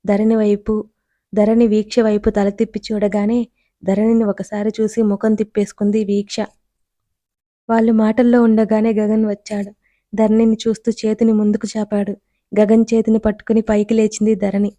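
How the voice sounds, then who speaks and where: A woman storyteller reading a romance audiobook in a steady, scripted narration on a close mic. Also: medium pitch, moderate pace, dry recording.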